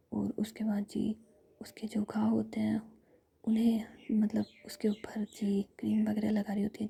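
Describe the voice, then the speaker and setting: A woman's voice: mid-range voice, gravelly, warm tone, breathy edge. A woman whispering as she tells a family story in a casual, retelling style.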